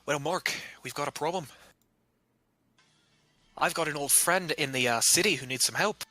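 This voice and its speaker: A man's voice: fairly high pitch, normal speed, bright, forceful tone, no echo. A man voicing a strict old centaur ranger. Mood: easygoing. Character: old male centaur ranger master, strict but fair.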